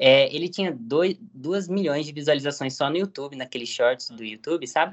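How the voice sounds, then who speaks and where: A man speaks with ordinary pitch variation. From Brazil, Paulínia near Campinas, São Paulo state. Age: 20s. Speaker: biology researcher on planarians. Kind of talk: podcast interview.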